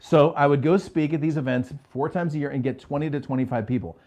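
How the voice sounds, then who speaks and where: A man's voice: a little high, fast, a little mellow. A middle-aged man, a business coach, telling stories from his career in a home office in a casual way, often checking in with "okay?". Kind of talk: storytelling business talk to a live audience.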